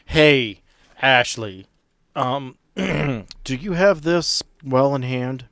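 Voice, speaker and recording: A man with a medium-pitched voice plays a tabletop game. His banter is casual and wry, recorded very dry with no room sound. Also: extremely slow, creaky, fairly bright tone, no echo.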